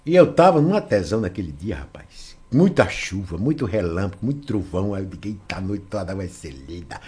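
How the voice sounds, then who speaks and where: A man's voice: low voice, expressive, brisk, darkish tone. A man telling crude stories on a casual podcast, boisterous and acting out every line of dialogue. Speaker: guest storyteller.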